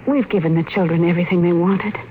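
A woman's voice: fairly low pitch, fairly even intonation, fast, phone-quality sound, close to an everyday voice. Woman acting an anxious 1950s radio wife. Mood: troubled. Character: anxious, gentle mother and wife. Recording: noisy old 1950s radio recording.

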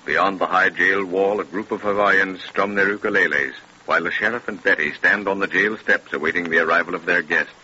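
A portentous radio mystery narrator, low and very forceful, with measured theatrical delivery. The recording is an old, dull broadcast. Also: male voice, steady tone. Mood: ominous. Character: grave, ominous male narrator of mystery tales. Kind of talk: dramatic 1930s radio narration. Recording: scratchy, band-limited 1930s radio recording.

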